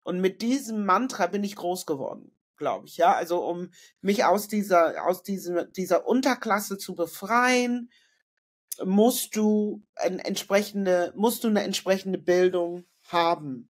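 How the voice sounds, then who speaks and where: A woman's voice: medium pitch, measured pace. A middle-aged woman from northern Germany, a guest in a casual interview, talking reflectively with many fillers and restarts over a video call from a room indoors. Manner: reflective, frequent fillers and self-corrections.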